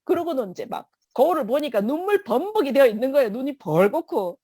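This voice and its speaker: A woman's voice: high voice, sing-song, fast, dark tone, slightly rough, dry recording. A woman giving an emotional personal testimony in church, telling her story vividly.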